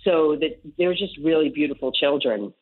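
A woman's voice: low voice, lively intonation, moderate pace, dry recording. Woman on the phone, chatty, laughs easily, tinny narrow line. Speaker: interviewed mother. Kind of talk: casual phone interview.

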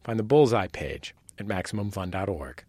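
A man's voice: fairly low pitch, animated, moderate pace, over loud music. A man in his thirties hosting a radio show with scripted narration. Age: 30s. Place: dry studio.

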